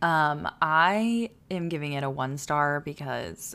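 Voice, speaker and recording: A woman speaks with a very deep, low pitch and a creaky vocal fry. Her pitch rises and falls in an ordinary way. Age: 40s. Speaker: book podcast co-host. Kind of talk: casual chat.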